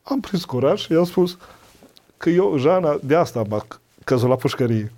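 A man's voice: on the high side, animated, dark tone. A middle-aged man, a podcast guest, sharing a personal testimony in casual talk, earnest and emotional, acting out old conversations. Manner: earnest, emotional storyteller, acts out dialogue.

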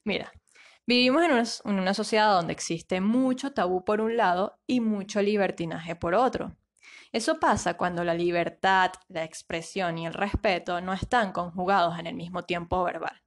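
A woman's voice: fairly low pitch, normal speed. Colombian woman co-hosting a podcast. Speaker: podcast co-host. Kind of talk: casual podcast chat, partly reading her essay.

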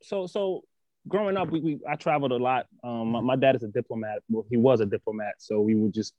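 A man from Senegal talks as a guest on a casual chat show, starting over often and stacking fillers as he feels for the right words. His voice sits at an everyday middle pitch. The sound is a little dull and muffled, and the room is very dry. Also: warm tone, no room sound. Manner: halting, repeats words, many fillers. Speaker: guest artist.

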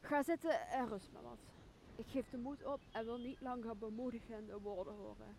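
Woman acting a high-voiced weary noble. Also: fairly even intonation, moderate pace, vocal fry, darkish tone, slight background noise. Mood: despairing. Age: young adult. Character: weary, despairing noble leader. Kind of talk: Dutch audio drama of Shakespeare.

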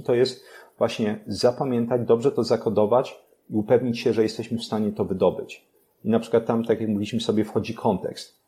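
A young man, a podcast guest, explaining learning methods step by step, pausing on fillers and restarting his phrases. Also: mid-range voice, mellow.

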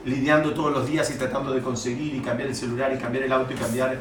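A man's voice: medium pitch, level tone, fast, a little hiss or hum. A man with a Rioplatense Spanish accent teaching a Torah class, posing questions to his students and often rephrasing as he explains. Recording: roomy recording with mic at a distance.

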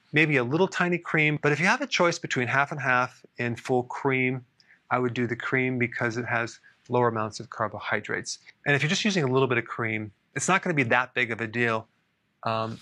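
A man with a bright, forward voice hosts a health podcast on his own. He explains things in a relaxed, conversational way and drops in deadpan sarcastic asides. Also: medium pitch. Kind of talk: solo explainer talk.

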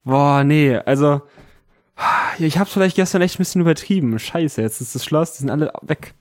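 Sheepish, hushed man in improv comedy. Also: fairly high pitch, normal speed, no echo, studio quality. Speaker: improv performer.

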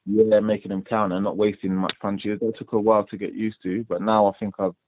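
Deep-voiced young London man on a phone line. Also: flat delivery, a little fast, a little hiss or hum. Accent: London English. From London, England. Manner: laid-back, rambling with many fillers. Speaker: professional boxer, guest. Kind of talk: casual interview answers. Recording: tinny dry phone line.

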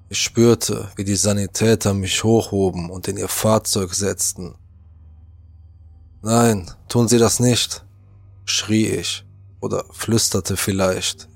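A man narrates a first-person horror tale in a low, gravelly voice, slow and fairly flat, tense throughout. The recording is dry and close, with faint music playing underneath. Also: no echo. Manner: tense, acts out shouted lines.

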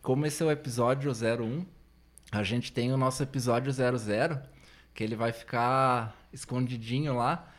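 A man's voice: medium pitch, steady tone, normal speed. A man, co-hosting a podcast and introducing a guest in a friendly, rambling way. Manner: friendly, rambling, lots of fillers. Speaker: podcast co-host. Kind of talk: casual podcast chat.

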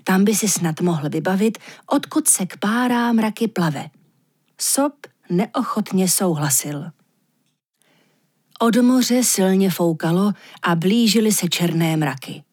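A woman narrating a fairy tale in a calm, measured audiobook reading. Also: medium pitch, breathy edge. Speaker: storyteller.

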